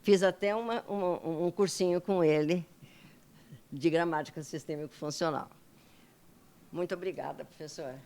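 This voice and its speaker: A woman's voice: on the low side, moderate pace, long pauses, dark tone. A woman introducing a speaker at a conference, brief and polite.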